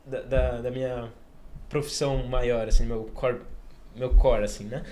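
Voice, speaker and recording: A man's voice: mid-range voice, steady tone, measured pace, mellow, slight background noise. A Brazilian man hosting a podcast. He eagerly explains an idea step by step in a casual way. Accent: Brazilian Portuguese. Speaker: podcast host.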